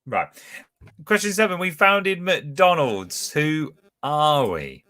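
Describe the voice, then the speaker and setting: A man's voice: a little high, very animated, slow, sharp tone. A man hosting a pub quiz from home, chatting casually as he reads out questions, answer options and team scores. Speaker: quiz host.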